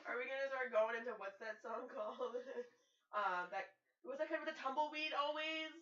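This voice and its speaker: Playful, blunt woman player, high and bright, roomy dull recording. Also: normal speed, far from the mic. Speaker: tabletop game player. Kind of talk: casual banter while playing. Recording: dull echoey sound, a bit off mic.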